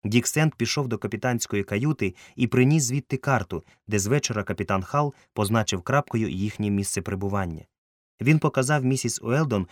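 A male audiobook narrator reads in a measured, clear manner at a mid pitch. The sound is close and dry, with no room heard. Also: dry recording. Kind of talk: scripted narration.

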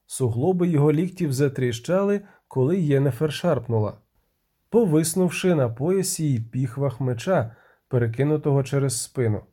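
A man's voice: fairly high pitch, warm tone. Man reading a tense fantasy audiobook. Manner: tense, vivid storytelling. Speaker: audiobook narrator. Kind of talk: dramatic fantasy audiobook narration.

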